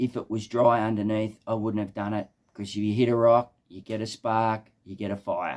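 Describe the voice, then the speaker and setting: A man's relaxed, fairly low voice with an Australian accent, flat and monotone at a moderate pace, with big swings in loudness. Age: 60s. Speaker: lawn care business owner and vlogger. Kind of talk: casual vlog talk to camera. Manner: relaxed with frequent ums and uhs.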